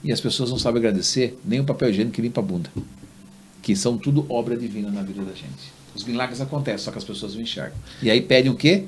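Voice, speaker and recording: A man hosting a podcast interview, telling stories in an animated way and letting his voice drop low at the ends of stories. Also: fast talker, a little hiss or hum. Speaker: podcast host. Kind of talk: conversational interview.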